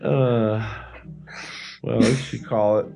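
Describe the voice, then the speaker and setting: A man's voice: fairly low pitch, fairly even intonation, slow pace, gravelly, dark tone, soft background music. A man co-hosting a podcast, chatting casually in a rambling, explanatory way and swearing now and then. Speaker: podcast co-host. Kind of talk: casual chat.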